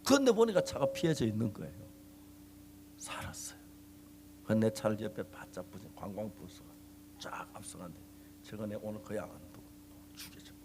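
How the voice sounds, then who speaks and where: A middle-aged male pastor preaching a sermon, telling a story in an animated way and acting out a quarrel in different voices. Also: lowish voice, fairly quick, long pauses, in a whisper. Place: church hall. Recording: long hall reverb.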